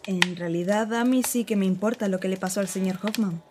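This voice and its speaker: A woman playing a sharp-tongued female newspaper reporter with an ironic, teasing manner in a radio drama. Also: mid-range voice, fairly quick, noisy background, lightly acted. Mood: probing. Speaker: journalist.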